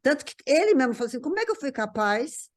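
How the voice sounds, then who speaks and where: Halting Brazilian woman reminiscing in conversation. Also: sits high, sing-song. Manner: halting, repeats words while searching for phrasing. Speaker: guest recalling a writer relative.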